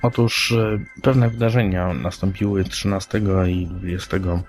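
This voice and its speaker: A man co-hosting a podcast, talking through news conversationally with halting, hesitant phrasing. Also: deep voice, fairly even intonation, darkish tone. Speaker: podcast co-host.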